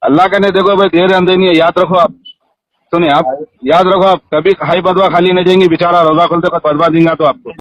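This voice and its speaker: A man's voice: high-pitched, steady tone, quick pace, no room sound. A man with a Hyderabadi accent in a heated phone argument, insistent, pleading and reproachful, talking over the other person on a muffled recorded call. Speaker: social worker.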